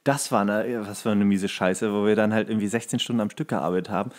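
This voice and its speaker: A man's voice: fairly low pitch, fairly even intonation, fast talker. A man co-hosting a podcast in casual chat, telling anecdotes in slangy, colloquial language. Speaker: podcast co-host.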